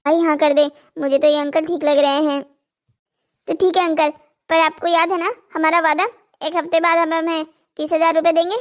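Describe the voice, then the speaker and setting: Very high, earnest young boy voiced by a woman. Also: little pitch movement, moderate pace. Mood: hesitant, eager. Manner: polite, earnest. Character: naive, dutiful, remorseful young boy. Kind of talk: scripted cartoon story dialogue.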